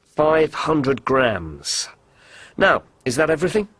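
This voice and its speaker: A man's voice: a little high, sing-song, slow, a bit bright, breathy edge, no echo. A man in a scripted textbook dialogue, upbeat and reassuring.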